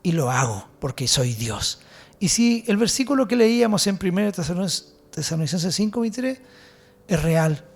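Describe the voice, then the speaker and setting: A man's voice: high-pitched, creaky. Fervent Chilean man preaching. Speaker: pastor. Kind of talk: sermon.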